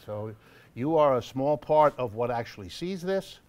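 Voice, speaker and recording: A man hosting a live event in a church hall, making announcements to the audience in a measured, wry way with frequent pauses and fillers. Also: medium pitch, animated, highs cut off. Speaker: host of a monthly lecture event.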